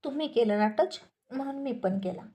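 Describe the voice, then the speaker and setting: A woman voicing a witty, sharp-tongued young wife who teases her husband with playful retorts. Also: high-pitched, animated, moderate pace, voice pushed up.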